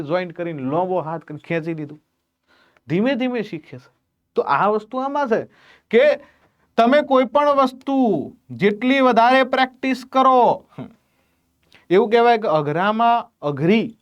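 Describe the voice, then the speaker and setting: A man giving an animated exam-prep lecture, acting out examples as he explains. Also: high-pitched. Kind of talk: classroom lecture.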